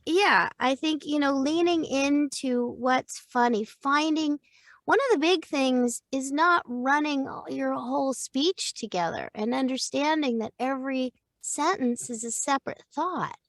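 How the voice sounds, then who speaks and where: A middle-aged woman with a high, bright-pitched voice speaks at an unhurried pace, coaching-style and playful, laughing often as she thinks out loud. The sound is dry and close, with no room around it. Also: dry recording. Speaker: podcast guest, voice actor and coach. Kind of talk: casual interview chat.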